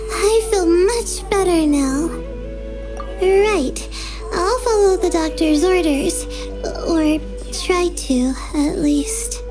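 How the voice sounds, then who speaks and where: A timid, sleepy young student from a game, very high and slow, loud music behind. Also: female voice. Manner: hesitant, timid.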